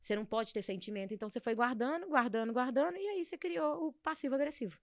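Young woman, podcast guest, rapid animated storyteller, dry close sound. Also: high voice, no echo. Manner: animated storytelling, acts out quoted voices. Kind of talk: casual podcast conversation.

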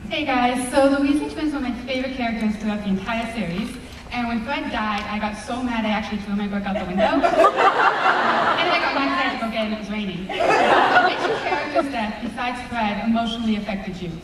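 A woman fan excitedly asking a question at a convention Q&A. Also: a little high, brisk, pauses often, a loud crowd, very noisy. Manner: excited, gushing. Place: large convention hall. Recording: echoey hall from far off.

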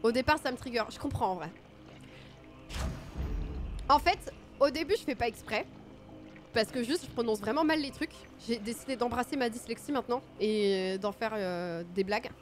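A woman's voice: on the high side, normal speed, pauses often, soft background music. Chatty woman gaming streamer with a cold. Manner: chatty, self-mocking. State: stuffy nose from a cold. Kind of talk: casual live-stream commentary.

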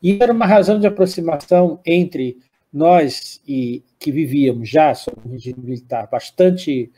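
Here the older Brazilian music show host sounds mellow and somewhat high-pitched, talking at a normal speed. Speaking off the cuff with a Brazilian Portuguese accent, he wanders, often restarting and tacking on tag questions.

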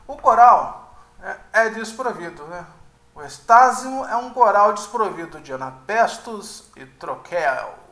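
A man's voice: sits high, animated, measured pace, sharp tone, echoey room. A man teaching an informal online lesson, hedging and tagging his sentences with questions, and thinking aloud with restarts. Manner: informal, hedging, frequent "né?" tags. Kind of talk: casual online lecture.

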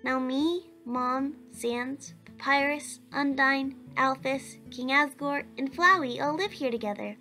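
A woman's voice: high voice, takes it slowly, hardly any pauses, bright, forceful tone, soft background music, heavily acted. A woman voicing a kind, cheerful, determined young child in a cartoon comic dub, with an earnest, chatty manner. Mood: happy.

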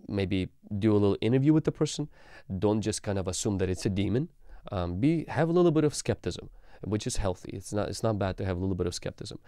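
Calm low-voiced pastor guy in his 30s talking to his stream chat, smooth voice, dry close mic. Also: dry recording. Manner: calm conversational teaching with frequent ums. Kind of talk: livestream teaching. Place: small indoor studio room. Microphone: studio mic on boom arm.

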